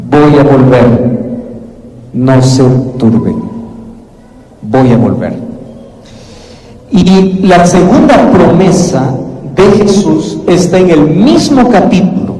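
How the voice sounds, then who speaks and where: A man preaching a sermon in a measured way, lifting his voice for emphasis when he quotes what others say. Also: sits high, warm tone. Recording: echoey hall with long reverb.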